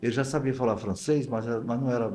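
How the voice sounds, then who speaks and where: An older man with a Northeastern Brazilian accent appears as a guest pastor in a conversational storytelling interview, repeating phrases and acting out quoted dialogue. His mid-range voice is mellow but rapid-fire, and soft music plays in the background.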